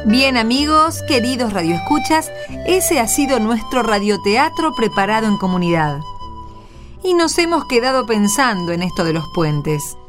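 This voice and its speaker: A woman's voice: on the high side, sing-song, normal speed, over music. A woman with an Argentine accent, hosting a radio drama in a scripted style.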